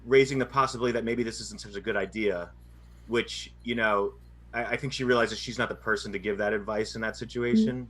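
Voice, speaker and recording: A man's voice: lowish voice, fairly even intonation, brisk, fairly bright tone, breathy edge. A man talking casually as a panelist in a group discussion. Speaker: podcast panelist.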